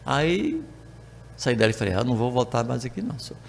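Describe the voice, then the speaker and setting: An older Brazilian man gives a spiritist talk in a reverberant hall. His voice climbs and falls with lively pitch and has a gravelly edge as he acts out the dialogue of his stories. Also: brisk. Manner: animated, acts out dialogue with voice changes. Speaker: spiritist lecturer. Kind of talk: storytelling talk to a spiritist group.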